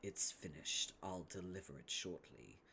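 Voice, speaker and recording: Man doing a stiff, pompous troll noble; low, whispery, overly formal. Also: animated, a little slow, heavily acted. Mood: haughty. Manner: formal, pompous diction, hushed breathy delivery. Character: stiff, haughty young male troll noble.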